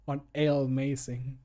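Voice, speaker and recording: A man's voice: mid-range voice, mellow. A man on a live stream at his home desk, talking casually and mocking himself as he records and judges his own voice takes on a desk microphone. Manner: self-mocking, chatty, talks through each retake. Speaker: streamer recording voice lines for a game mod. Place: home room at a computer desk.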